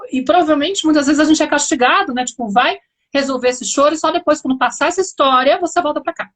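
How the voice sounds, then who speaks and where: A woman's voice: high-pitched, quick pace, fairly bright tone. A woman host, talking reflectively in a live conversation and often tagging her sentences with questions. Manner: reflective, explaining, frequent "né" tags.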